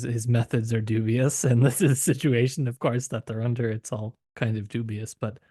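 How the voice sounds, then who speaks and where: A male podcast host with a mid-range voice, recorded dry and close. He talks casually about literature, working through his thoughts haltingly and qualifying them as he goes. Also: mid-range voice, darkish tone, no room sound. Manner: halting, thinking aloud, trailing qualifications.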